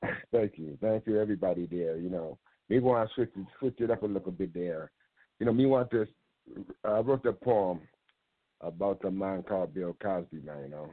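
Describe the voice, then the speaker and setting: Speaking with a Caribbean accent and ordinary pitch variation, the voice moves at a fairly quick pace broken by long, frequent pauses. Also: man, fairly low pitch for a man. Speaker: poet. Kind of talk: casual chat.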